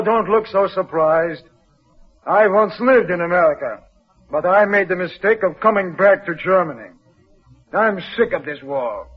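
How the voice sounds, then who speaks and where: An actor playing a kindly, middle-aged German sentry who is tired of the war, in 1940s radio drama style. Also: male voice, sits high, husky, exaggerated voice. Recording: muffled old radio broadcast.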